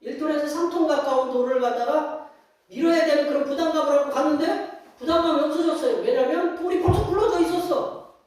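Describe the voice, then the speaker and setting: In a church sanctuary, a male pastor delivers a folksy storytelling sermon, acting out scenes and putting questions to the congregation. His voice is very high and darkish in tone, moving fairly quickly. The distant mic leaves the hall sounding very echoey.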